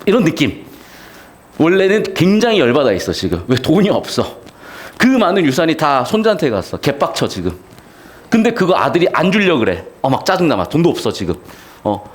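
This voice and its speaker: A man's voice: a little high, sing-song, fairly quick. A man in his thirties, a literature teacher giving a casual, chatty lecture with slangy asides.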